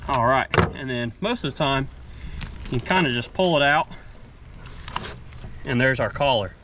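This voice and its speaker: A man's voice: mid-range voice, moderate pace. A man, casually explaining each step as he works, like a vlogger teaching. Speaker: fishing and cooking vlogger. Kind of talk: casual instructional narration while working. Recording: noisy action-camera audio, outdoors and kitchen.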